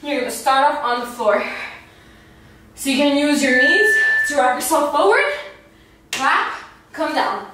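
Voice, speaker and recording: High-voiced woman instructor in echoey room. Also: a little slow, long pauses. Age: young adult. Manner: informal, explanatory. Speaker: fitness instructor. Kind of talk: casual workout instruction. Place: bare white indoor room. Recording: echoey room, distant mic, faint noise.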